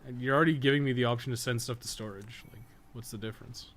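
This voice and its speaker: A man giving casual, rambling live commentary as he plays a game, thinking out loud and swearing freely. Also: mid-range voice, steady tone, quick pace. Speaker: game streamer and guide maker.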